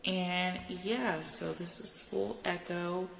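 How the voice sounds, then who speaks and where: A woman's voice: fairly low pitch, slow pace, vocal fry, a little hiss or hum. A woman casually demonstrating a microphone as she turns its built-in echo effect all the way up. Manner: casual, explains each step as she tests the mic. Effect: heavy echo from the mic's built-in echo effect. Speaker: YouTuber reviewing a microphone. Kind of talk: casual product demo.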